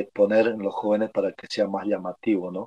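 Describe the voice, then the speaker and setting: A man speaks at a medium pitch with an Argentine accent. The sound is dry and close, with no echo. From Chaco, Argentina (Qom community). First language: Qom (speaking Spanish). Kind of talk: panel talk. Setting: book fair panel. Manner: halting, many fillers.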